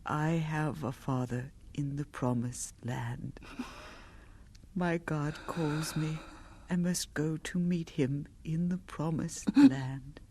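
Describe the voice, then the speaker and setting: A woman playing a gentle, fearful, ailing Gypsy wife and mother in an audio drama, speaking in a halting, anguished way. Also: deep voice, husky, heavily acted. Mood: frail, wondering.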